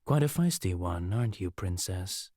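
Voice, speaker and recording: An unhinged, lonely mage with swooping voice. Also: male voice, animated, moderate pace, a little mellow, no room sound, studio quality. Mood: bitter mockery. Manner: theatrical, swinging from low menace to high wailing. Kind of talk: audiobook character acting.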